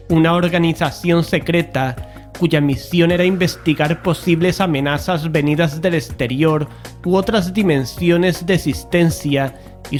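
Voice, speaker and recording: In a Spanish audio drama with first-person narration, an actor with an accent from Spain plays Mario, a self-assured, conceited investigator leading his friends. His natural male voice sits on the high side, and he speaks formally, pompously and with precise wording.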